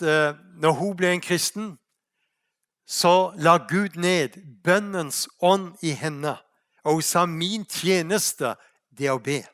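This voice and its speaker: A middle-aged man from Norway preaching a sermon in a mission hall, telling a story and asking his listeners rhetorical questions, slowing down for emphasis. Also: high-pitched, fairly bright tone, smooth. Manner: asks the audience rhetorical questions.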